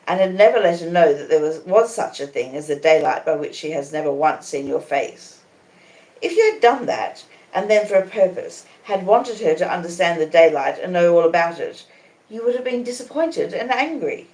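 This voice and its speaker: A woman voicing a proud, cool young lady in a storybook reading, calmly defiant, with measured and emphatic reasoning. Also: fairly low pitch. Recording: echoey conservatory.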